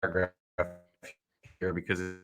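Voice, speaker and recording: A man co-hosting over a video call whose internet audio cuts out and freezes, so his words come through broken and halting. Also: deep voice, completely flat delivery, a bit bright. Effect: glitchy, cutting-out internet call audio. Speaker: co-host. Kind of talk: reading a report aloud on a video call.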